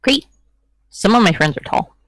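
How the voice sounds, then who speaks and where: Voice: medium pitch, animated, normal speed, a bit bright, dry recording. A player in a tabletop role-play, chatty and playful.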